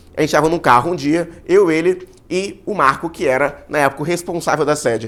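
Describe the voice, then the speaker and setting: Animated and fairly high-pitched, a man talks with ordinary pitch variation on a very clean recording with a silent background. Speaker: course instructor. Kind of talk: lecture; guided visualization exercise. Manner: fast.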